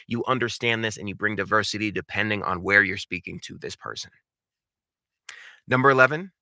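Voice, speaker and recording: Guy coaching viewers, lowish bright punchy voice, very dry sound, emphatic and informal. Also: dry recording. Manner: animated, emphatic, uses rhetorical questions and repetition; informal, addresses viewers directly. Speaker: voice acting coach and video host. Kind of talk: instructional talk to camera.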